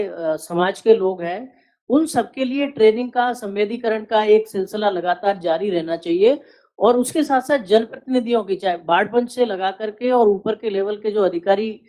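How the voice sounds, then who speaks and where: A woman's voice: mid-range voice, warm tone. A woman giving formal remarks at a workshop, laying out her points one by one. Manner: measured, lists points one by one. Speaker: workshop participant.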